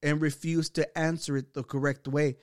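A man's voice: a little high, flat delivery, normal speed. A man on a casual podcast insisting on his view, stumbling over repeated words as he pushes. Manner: insistent, stammers and repeats words when pushing. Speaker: podcast co-host. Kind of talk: heated casual debate.

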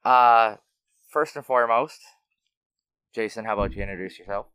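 A man hosts a small podcast and reads out his questions a little haltingly. His low voice is smooth and clear, recorded close and dry. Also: sharp tone, no echo. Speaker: podcast host. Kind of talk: casual interview questions.

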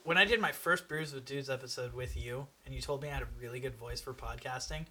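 A man in his twenties, a podcast guest, lively and joking in casual chat. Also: mid-range voice, quick pace, crowd noise. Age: 20s.

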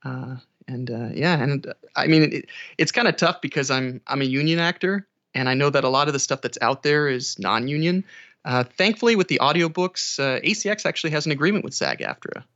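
A man's voice: a little high, brisk, fairly bright tone, no room sound, dull audio. An American man talking casually as an interview guest who works as an audiobook narrator.

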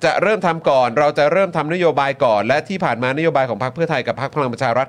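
Thai-talk-show guy reading the news, relaxed, lots of polite particles, ordinary mid voice. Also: mid-range voice, racing. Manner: reads headlines with polite particles and fillers. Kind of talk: casual news chat.

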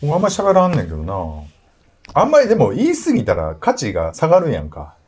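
A man's voice: a little high, fast, breathy edge. A man with a Kansai accent hosting a casual talk show, reading listener mail and teasing his co-hosts. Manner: animated, chatty, teasing. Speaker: podcast host.

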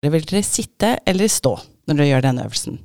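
A woman's voice: deep voice, big pitch swings, creaky, a little mellow, no room sound, clean studio sound. A woman hosting a conversation, explaining voice exercises and guiding the others through them. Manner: guiding, explanatory, laughs easily. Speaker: host leading voice exercises. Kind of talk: instructive podcast conversation.

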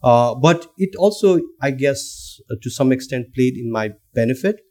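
A man's voice: medium pitch, lively intonation, normal speed, a little mellow. A man from Nepal, a researcher in his thirties, speaking thoughtfully with many fillers and restarts. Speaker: guest lecturer and researcher. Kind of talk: academic conversation.

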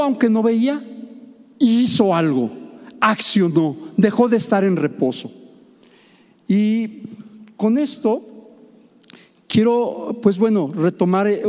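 A man preaching a sermon, reading scripture and retelling it in a lively, joking storyteller's way. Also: high-pitched. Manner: animated storytelling, acts out voices, jokes with the congregation. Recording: long reverb of a hall.

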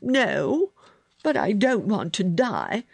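A woman's voice: medium pitch, huge pitch swings, takes it slowly, creaky, slightly rough, no room sound, voice pushed up, exaggerated voice. A woman voicing a sickly, spoiled ten-year-old boy, cross and demanding, in a storybook reading. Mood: cross, mournful. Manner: cross, demanding, self-pitying.

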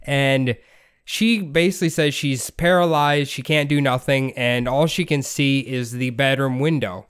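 A man's voice: mid-range voice, measured pace, a bit bright, clean tone. A man hosting a podcast, telling a story in a laid-back, casual way, swearing and laughing often. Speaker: podcast host.

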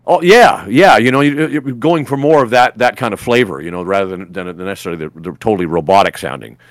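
A man's voice: lowish voice, quick pace, no echo. A man, a voice actor guest on a podcast, telling rambling anecdotes with lots of restarts and fillers. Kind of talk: casual podcast interview.

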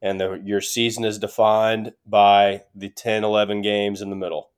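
A man's voice: fairly low pitch, little pitch movement, moderate pace, clean tone. A man co-hosting a sports podcast, giving casual commentary in short, emphatic phrases and checking in with his listeners.

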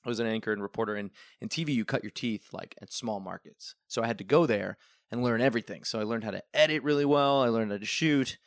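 A man's voice: fairly low pitch, fast, no room sound, clean studio sound. A young man from the Northeastern US, a TV news reporter, telling rambling stories in a casual podcast chat and laughing often.

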